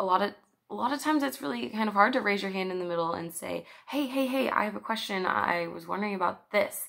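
Against a quiet background, a woman talks at a fairly quick pace with lively intonation and a bright, sharp tone. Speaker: youth church leader. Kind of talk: sermon segment. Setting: video message recorded at home. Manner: casual, friendly. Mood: warm, earnest, friendly. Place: home room. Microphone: webcam.

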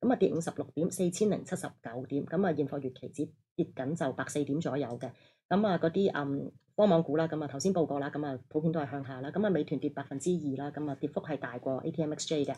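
This woman talks at a fairly quick pace in a very deep, low pitch with a dark, mellow tone. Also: ordinary pitch variation. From Hong Kong. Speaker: financial news show host. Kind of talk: live market news show. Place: studio.

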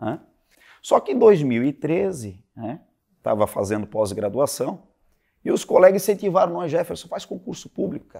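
Against a quiet background, a man with a high pitch and a dark, mellow tone speaks at a moderate pace, his pitch swinging very widely and his loudness shifting a lot, with long, frequent pauses. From southern Brazil, Santa Catarina (Jaraguá do Sul); Santa Catarina, Brazil. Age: 30s. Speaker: local politician; newly elected councillor. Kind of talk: interview. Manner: halting, many fillers; emphatic, speech-like. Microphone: lapel.

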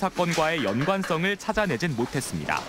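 Noticeable background noise is present throughout. The male speaker's intonation is lively. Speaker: TV news reporter. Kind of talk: news report. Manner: formal.

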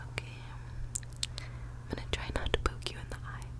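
Soft-spoken, a woman talks. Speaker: ASMR creator. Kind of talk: soft personal-attention roleplay talk. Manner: soft, close ASMR murmur. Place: home room.

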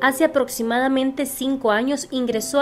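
A woman's high-pitched voice at a moderate pace, music in the background. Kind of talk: documentary narration.

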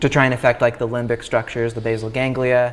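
A man speaks at a medium pitch. Light background noise can be heard. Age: 30s. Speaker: neuroscience technology researcher. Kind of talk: interview. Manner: hesitant with fillers. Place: studio. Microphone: lapel.

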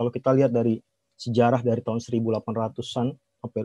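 A man's unremarkable speaking voice in a dry sound with no echo. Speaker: engineering researcher and lecturer; lecturer. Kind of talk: lecture. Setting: video call. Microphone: video call.

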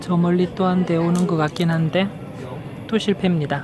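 Fairly slow speech from a woman, with noticeable noise in the background. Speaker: solo traveler vlogger. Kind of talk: casual vlog chat. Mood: mildly disappointed, joking. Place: cafe. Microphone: phone near.

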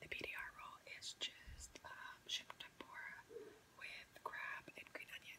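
A woman whispering in a relaxed tone. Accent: American. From United States. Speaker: ASMR content creator. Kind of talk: ASMR mukbang eating show, casual talk to camera. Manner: soft-spoken, whispered, relaxed. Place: home room. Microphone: phone near.

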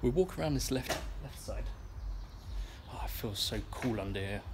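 Noticeable background noise behind a male speaker. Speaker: vlogger. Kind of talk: casual vlog chat. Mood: relaxed, enthusiastic. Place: garden. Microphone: phone near.

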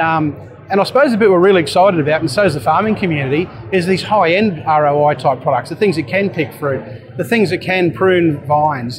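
Someone with an Australian accent talks at a very fast pace with lively intonation. Noticeable background noise runs underneath. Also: man. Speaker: ag tech company founder and farmer. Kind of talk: presentation about company. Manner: hesitant with frequent fillers. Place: hall.

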